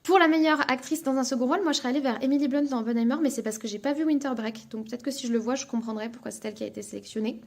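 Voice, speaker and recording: A woman's voice: high-pitched, very fast, hardly any pauses. A woman giving casual, opinionated and emphatic reaction commentary as a film vlogger.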